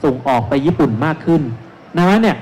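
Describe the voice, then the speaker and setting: A man's voice: fairly high pitch, expressive, fast, a little mellow. A man in his thirties speaking as an analyst on a seminar stage into a handheld mic, explaining step by step with frequent polite particles. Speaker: securities analyst, panel speaker. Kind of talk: investment seminar presentation. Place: stage at a shopping mall expo, indoors. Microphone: handheld microphone. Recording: noisy live event sound.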